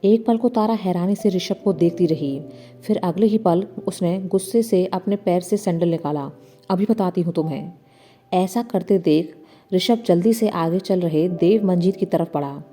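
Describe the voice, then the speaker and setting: A woman's voice: on the low side, moderate pace. A woman reading a story aloud, narrating and voicing the figures' dialogue with mild changes in tone. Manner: reads the dialogue of several figures with mild shifts. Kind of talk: scripted narration with light character voices. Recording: soft music bed behind the voice.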